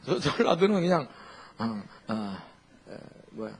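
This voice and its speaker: A male pastor preaching a sermon in an animated, humorous way, full of rhetorical questions. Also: mid-range voice, a little slow, slight background noise.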